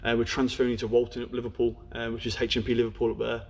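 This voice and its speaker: This young man, speaking in a Black Country accent, is the guest in a podcast interview and shares his life story openly, dotted with "you know". His mid-range voice is slightly rough and darkish, with a flat delivery and a racing pace.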